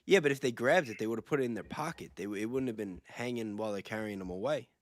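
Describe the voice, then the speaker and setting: A man's voice: on the low side, fast talker, dry recording, studio quality. A man in a casual roundtable, talking in a tentative, rambling way and repeating himself. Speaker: livestream panelist.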